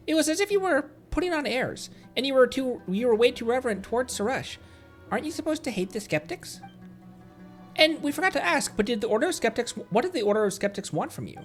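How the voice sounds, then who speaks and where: A woman voicing a small, chatty, blunt fairy companion, reading fantasy game dialogue aloud. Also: sits high. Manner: speaks of self in third person, blunt.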